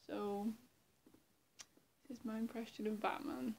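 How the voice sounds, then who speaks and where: A woman's voice: a little high, fairly even intonation, unhurried, vocal fry, a little mellow, slight background noise. A young woman chatting casually to her webcam in a small room, swearing and laughing often. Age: young adult. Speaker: vlogger. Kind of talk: casual vlog chat.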